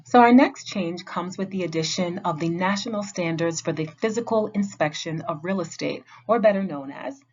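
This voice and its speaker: A woman giving a scripted training narration as a compliance trainer, speaking in a clear, measured, instructional way. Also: lowish voice, a little mellow. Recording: dull lo-fi audio.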